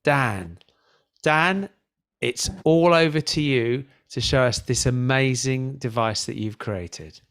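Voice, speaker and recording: A man with a medium-pitched voice hosts an online panel. He chats casually as he hands over from one person to the next. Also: slow pace, fairly bright tone, smooth. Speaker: host.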